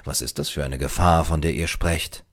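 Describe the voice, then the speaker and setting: A man voicing a courteous, sceptical male traveller in a storybook, measured and questioning. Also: rumbling low, fairly even intonation, pitched below the performer's own voice. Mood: puzzled.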